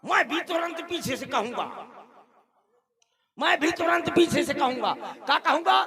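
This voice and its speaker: A man's voice: very high-pitched, animated, measured pace, vocal fry, pushed and bright, exaggerated voice. A man playing a boastful gluttonous bachelor king in a folk stage comedy, rambling and repeating himself. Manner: rambling, repeats himself, laughs through lines. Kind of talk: comic folk-theatre monologue.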